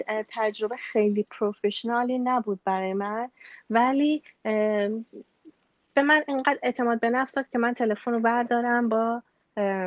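A woman's voice: on the high side, dry recording. Hesitant Iranian woman, dull dry recording. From Iran. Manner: hesitant, halting, mixing in English loanwords. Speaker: interview guest, bank employee. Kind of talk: conversational interview answers.

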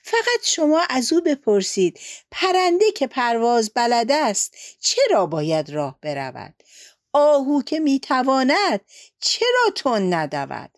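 A high, lively big white goose, voiced by a woman, earnest and persuasive. He speaks kindly but directly, a wise bird from a children's storybook, with faint music and a dry sound. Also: no room sound.

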